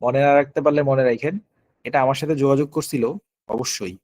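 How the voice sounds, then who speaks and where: A man's voice: medium pitch, fairly even intonation, fast talker, a little mellow, no echo. A man running a live online spelling quiz, counting down and spelling words out letter by letter. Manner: patient, explanatory. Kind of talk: live online class, calling on students.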